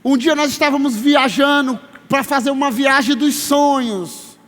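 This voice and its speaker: A man in his thirties preaching a sermon as pastor, emphatic, slowing down to stress his words and calling listeners brother. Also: very high voice, fairly bright tone. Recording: long reverb of a large hall.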